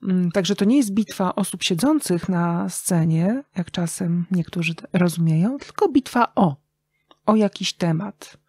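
Middle-aged woman, lower register, conversational storyteller in an interview, recorded dry and close. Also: lively intonation, a little slow, darkish tone, slightly rough, no room sound. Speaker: interview guest, radio journalist and writer.

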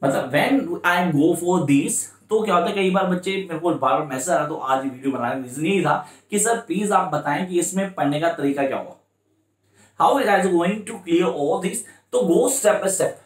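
A man's voice: fairly high pitch, lively intonation. A man tutoring students for an exam, switching between Hindi and English with an Indian accent and repeating his points step by step. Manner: repetitive, coaching, slows right down for English phrases. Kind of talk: exam-prep lecture in mixed Hindi and English. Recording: echoey room.

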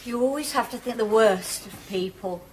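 An actress playing a weary reproachful wife. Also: female voice, fairly high pitch, moderate pace, natural voice. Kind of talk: sitcom acting. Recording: noisy TV audio from across the room.

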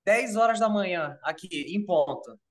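A man's voice: high-pitched, moderate pace. Carioca man, 30s, laid-back and rambling, talking into his phone on a call. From Rio de Janeiro, Brazil. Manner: relaxed, rambling with fillers like "tipo" and "entendeu". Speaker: interview guest. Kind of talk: casual video-call chat.

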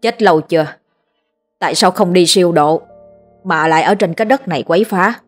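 A woman's voice: on the low side, soft background music, natural voice. A woman voicing a stern older male village exorcist who speaks curtly and commandingly. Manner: curt, commanding, rapid.

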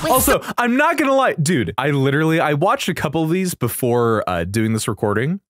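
A young man giving casual, slangy and excitable reaction commentary as a video creator, swearing freely. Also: a little high, fairly quick, no echo, studio quality. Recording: music playing behind the voice. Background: game trailer music.

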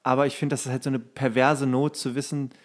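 A man's voice: medium pitch, level tone, brisk. Man chatting casually, enthusiastic film fan. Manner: enthusiastic, acts out movie quotes. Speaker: podcast co-host.

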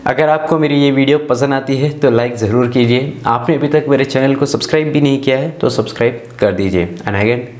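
A man's voice: mid-range voice, a little fast, few pauses, darkish tone, slight background noise. Male Indian tech presenter, scripted tutorial narration, echoing room recording. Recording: roomy echoing voice-over.

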